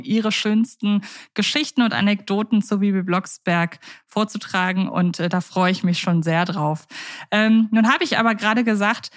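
A woman's voice: medium pitch, dry recording, clean studio sound. A woman co-hosting a podcast, chatting casually, asking questions with the odd ähm. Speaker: podcast co-host.

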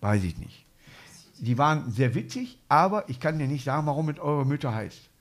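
A man's voice: a little high, animated, normal speed. A man hosting a live comedy podcast, rambling through anecdotes and chuckling often. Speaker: podcast host. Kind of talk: casual comedy chat.

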